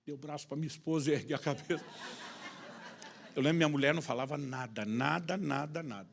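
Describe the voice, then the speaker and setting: A Brazilian pastor preaches at a quick clip, weaving a personal anecdote full of acted-out dialogue and jokes. His pitch sits in the middle of the male range. He keeps the story moving with lively, humorous timing. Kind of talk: sermon storytelling.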